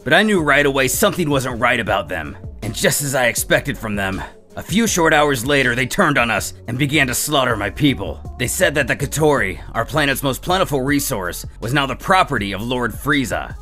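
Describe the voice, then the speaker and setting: A bitter, menacing alien invader from a comic story, acted out by a man. He taunts in grand villain speeches with lively swings of pitch. Faint music plays underneath. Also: a little fast. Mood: bitter, grieving anger. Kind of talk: dramatic comic-book character acting.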